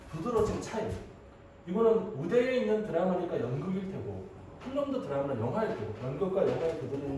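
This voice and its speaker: A man in his thirties teaching high school English, chatting and joking with his students as he calls on them to read. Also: recorded from a distance. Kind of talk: classroom lecture. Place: classroom. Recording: echoey room, voice off-mic, faint hiss.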